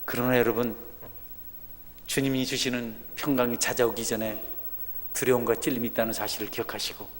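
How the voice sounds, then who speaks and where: A middle-aged male pastor preaching a sermon with fervor, rising to loud declarations and dropping to hushed storytelling. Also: medium pitch, level tone, fairly quick, long pauses. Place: church sanctuary. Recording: church hall reverb.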